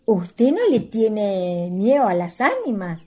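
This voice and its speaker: Woman playing a husky, lilting Chilean ghost woman. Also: medium pitch, very animated, slow pace, warm tone. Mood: teasing. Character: sly, chatty country woman, secretly a ghost. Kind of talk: radio play dialogue.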